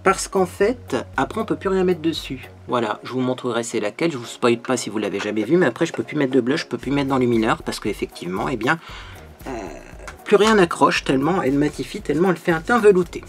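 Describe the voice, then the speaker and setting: A man's voice: medium pitch, lively intonation, fast talker, faint music behind. A man hosting a makeup tutorial, talking in a bubbly, chatty way and often tagging his sentences with little fillers. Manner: bubbly, chatty, peppered with "hein". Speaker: beauty vlogger.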